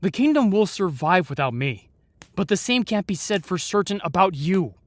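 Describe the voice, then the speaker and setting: A man's voice: high-pitched, big pitch swings, normal speed. A man playing a protective, exasperated knight in a fantasy audio roleplay, speaking formally and earnestly. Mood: stern, earnest. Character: protective, exasperated young male knight guarding a lady.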